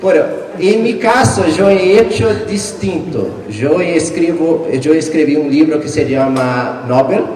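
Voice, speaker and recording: A man in his forties, a native Portuguese speaker from Brazil, presenting his book at a live panel, halting and joking with frequent restarts and chuckles. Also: a little high, darkish tone. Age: 40s. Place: large hall with long reverb. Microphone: distant from the mic. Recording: echoey hall, far from mic.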